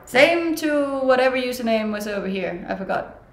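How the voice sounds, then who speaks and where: Young Danish-accented woman streamer, slightly high voice, relaxed chat, echoey kitchen. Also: normal speed. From Denmark. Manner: relaxed, chatty, laughs often. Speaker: livestreamer. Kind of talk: casual chat reading viewer comments. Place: home kitchen, indoors. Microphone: webcam at desk distance. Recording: echoey kitchen with faint background hum.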